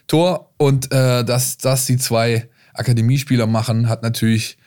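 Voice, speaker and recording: A man's voice: mid-range voice, steady tone, normal speed, a little mellow. A man with a mid-range voice chats casually about football as a podcast co-host. He explains things in loose, colloquial language, as if thinking aloud. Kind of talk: casual football talk and analysis.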